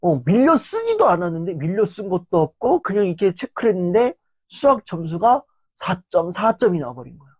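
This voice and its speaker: Husky, animated male motivational lecturer. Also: high voice, fairly quick, no room sound. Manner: animated anecdotal telling with constant fillers. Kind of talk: lecture storytelling.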